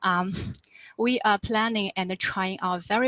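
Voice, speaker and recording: With a Chinese accent, a woman speaks at a medium pitch and moderate pace with fairly even intonation, in a dry, close sound with no echo. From China. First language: Mandarin Chinese. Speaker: university academic, associate head of department. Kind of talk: online seminar welcome.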